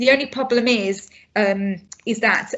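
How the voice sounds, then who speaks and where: A woman speaks with fairly even intonation and a somewhat breathy voice. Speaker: public health advisor. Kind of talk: webinar Q&A briefing. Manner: mumbling.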